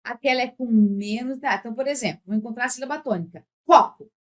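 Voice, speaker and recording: A woman with a fairly high voice leads a grammar lesson for exam candidates. She stretches out each example word slowly and keeps checking that the listener is following. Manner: patient, drawn-out words when giving examples; often checks in with "tá?". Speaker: Portuguese teacher.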